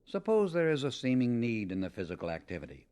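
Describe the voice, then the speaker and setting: A man's voice: medium pitch, huge pitch swings, quick pace, dark tone. Man solemnly reading a spiritual audiobook. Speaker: audiobook reader. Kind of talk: scripted spiritual teaching read aloud.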